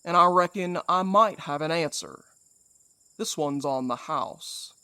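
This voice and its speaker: A man plays a menacing gentleman villain in an audio drama. He drawls slowly in a fairly high male voice, theatrically polite and taunting. The sound is close and dry. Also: smooth, no echo, heavily acted. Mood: smug, measured. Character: menacing folksy supernatural man, taunting, mock-courteous cowboy villain. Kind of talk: audio fiction drama acting.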